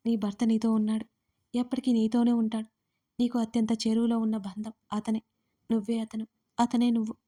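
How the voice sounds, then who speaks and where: Teasing young sister-in-law on the phone, a woman reading her, mellow and flat, kinda high. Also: moderate pace, natural voice. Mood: earnest. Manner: teasing, mock-dramatic.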